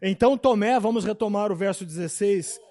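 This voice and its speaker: A man's voice: sits high, a little fast, darkish tone. A man teaching a Bible class, lecturing in a preachy way and often checking that his students agree.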